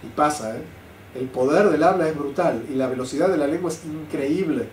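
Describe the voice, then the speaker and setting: Older rabbi teaching in a roomy hall. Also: male voice, a little high, fairly quick. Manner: lively, full of rhetorical questions. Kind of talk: Torah class. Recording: roomy sound, mic at a distance, faint noise.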